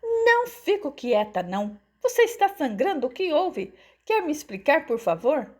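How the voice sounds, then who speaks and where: A woman acting a high-pitched, anxious older mother. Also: huge pitch swings, normal speed, a little mellow, heavily acted. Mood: alarmed. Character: frightened, doting older mother, pleading and fretting.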